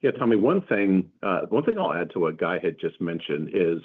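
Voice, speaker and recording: A man answering questions as a company executive on an earnings call, in measured corporate explanation. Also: low-pitched, very animated, slightly rough. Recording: muffled phone-like conference call line.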